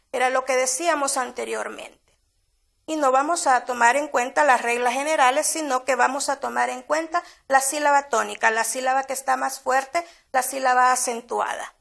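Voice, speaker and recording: A woman teacher with a Honduran Spanish accent delivers a televised grammar lesson. Her voice sits high and carries a gravelly, creaky edge. She explains slowly and deliberately, repeating key words for her students. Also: a bit bright.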